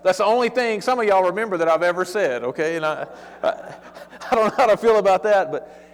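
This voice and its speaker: A man with an East Texas accent giving a casual, folksy sermon-style Bible lesson, talking conversationally and sometimes stumbling over his words. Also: high-pitched. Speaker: Bible teacher. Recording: long hall reverb.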